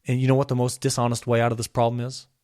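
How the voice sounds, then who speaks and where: A man hosting his own podcast, talking with impassioned energy, his voice a little hoarse from a cold. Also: completely flat delivery, racing, darkish tone, no echo, studio quality. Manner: impassioned ranting, pitch climbing when worked up. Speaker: podcast host. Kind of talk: solo podcast commentary.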